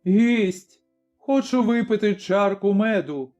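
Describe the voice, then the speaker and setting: A grim old Cossack father speaks in slow, firm, commanding words, as a male narrator acts him out. The tone is dark and mellow, pitched fairly high for a man. Faint music sits behind the reading. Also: lively intonation, dull audio. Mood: gruff.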